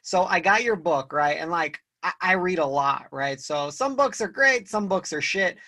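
A man's voice: high voice, lively intonation, normal speed, sharp tone. A young man hosting a casual interview, loose and chatty with lots of "like". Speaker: podcast host. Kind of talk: casual conversation.

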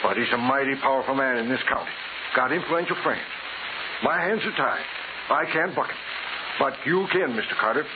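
An actor playing a folksy, plainspoken rural sheriff and farmer with rustic grammar and a drawl, in a 1940s radio drama. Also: male voice, mid-range voice, lively intonation, brisk, narrow, tinny audio, natural voice. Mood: folksy, frank. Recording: noisy, hissy, thin 1940s radio recording.

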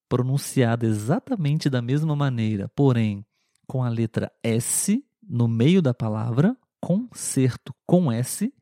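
Slow, careful man teaching. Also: mid-range voice, dark tone, no echo, studio quality. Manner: repeats words and sentences slowly and clearly for learners. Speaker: language teacher. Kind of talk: slow explanatory lesson.

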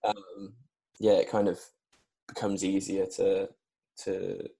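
A man's voice: low voice, level tone, takes it slowly, creaky, mellow. A young man co-hosting a podcast over a video call, easygoing and hesitant, with many fillers. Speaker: podcast co-host.

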